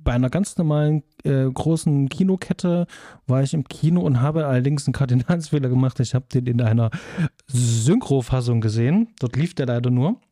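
Chatty German man with a mellow voice. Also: mid-range voice, brisk, no room sound, studio quality. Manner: chatty, many filler sounds, enthusiastic. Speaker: podcast co-host. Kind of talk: casual film podcast chat.

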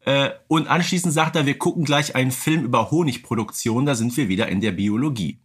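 A man's voice: medium pitch, fairly quick, husky. A man talking in an explanatory, conversational way as co-host of a casual podcast, often adding tag questions.

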